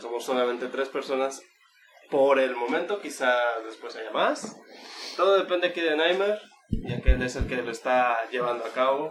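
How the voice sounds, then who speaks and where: Over noticeable background noise, a man speaks at a moderate pace with a medium pitch and ordinary pitch variation. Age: 20s. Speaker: podcast co-host. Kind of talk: casual chat.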